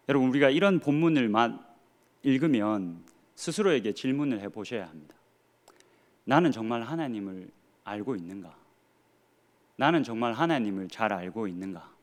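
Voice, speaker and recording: A man in his thirties, a pastor with a Gyeongsang Korean accent, preaching a sermon earnestly with rhetorical questions and dry humor. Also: medium pitch. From Gyeongsang region of Korea.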